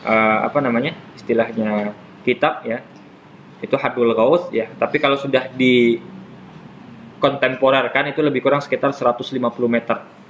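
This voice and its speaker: A man's voice: mid-range voice, steady tone, moderate pace, a little hiss or hum, poor audio. A man teaching a casual classroom lesson on Islamic jurisprudence. He explains step by step, repeats his terms and teases his students.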